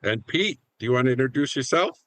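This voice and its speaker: A man's voice: mid-range voice, animated, fast, fairly bright tone, dry recording. A man who directs a community radio show, speaking conversationally in a podcast interview. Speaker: director introducing his cast.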